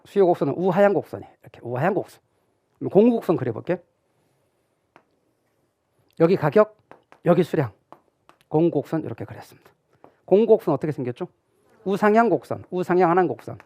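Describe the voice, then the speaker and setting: Middle-aged guy teaching a real estate exam class, pretty high voice, dry close sound. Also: fast talker, long pauses, no room sound. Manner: animated, asks students questions and answers them himself; acts out imagined student questions. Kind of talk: classroom lecture.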